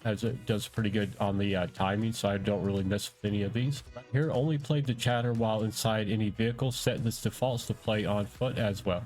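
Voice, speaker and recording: A man giving a casual, conversational gaming tutorial in an unhurried, slightly hesitant way. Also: fairly low pitch. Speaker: streamer and tutorial host, playing a police officer. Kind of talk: casual tutorial and game roleplay commentary.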